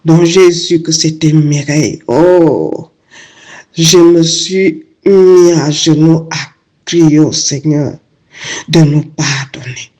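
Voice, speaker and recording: Slow, hesitant woman praying aloud. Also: deep voice, warm tone. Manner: hesitant, many fillers, searching for words. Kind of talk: prayerful personal testimony.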